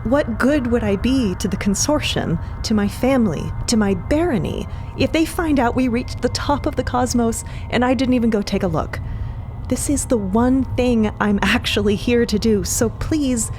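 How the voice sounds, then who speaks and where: A woman's voice: fairly high pitch, moderate pace, a little mellow, faint music behind, voice pushed up, lightly acted. A woman playing a determined, earnest young noblewoman, eager and articulate, in an audio drama. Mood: earnest pleading.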